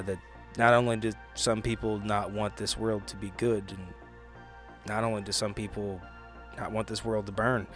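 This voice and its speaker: An awkward, bookish man as a male player acts him out in a tabletop game. He speaks low and haltingly, bluntly kind and clumsy with feelings. Music plays underneath. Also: fairly bright tone, lightly acted.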